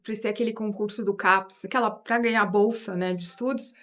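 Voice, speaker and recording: A woman in her fifties from São Paulo with a São Paulo accent, a guest talking through her career in a relaxed interview, with frequent tag questions and restarts. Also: medium pitch, brisk. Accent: São Paulo Portuguese. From São Paulo, Brazil. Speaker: guest, board advisor. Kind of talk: conversational interview storytelling.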